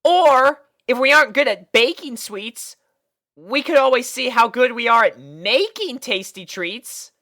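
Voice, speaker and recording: A woman voicing a young, nervous, flustered filly with a meek, hesitant manner and a squeaky child's voice. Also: expressive, measured pace, fairly bright tone.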